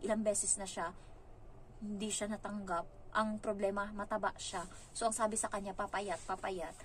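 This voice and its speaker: A young woman from the Philippines telling her story casually as a vlogger, chatty and animated, acting out other people's lines in passing. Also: mid-range voice, a little hiss or hum.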